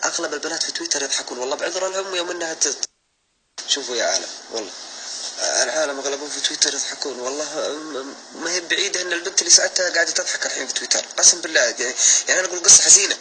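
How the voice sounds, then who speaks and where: A man's voice: on the high side, very fast, noisy background. A man tells a personal anecdote to his followers in a casual, emphatic way, swearing oaths constantly. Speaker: social media storyteller.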